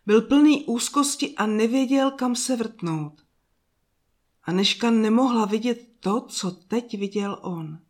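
A woman narrating a children's fairy tale in a calm, soft and slow reading voice. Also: fairly high pitch. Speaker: storyteller. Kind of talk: scripted storybook narration.

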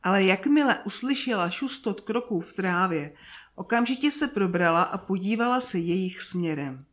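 A woman narrating a fairy tale in a slow, soft storytelling manner with drawn-out pauses. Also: medium pitch, lively intonation.

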